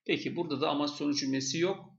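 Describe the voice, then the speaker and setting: A man's voice: fairly high pitch, fairly even intonation, racing, vocal fry, muffled recording. A male teacher walking through exam questions step by step and repeating the key points.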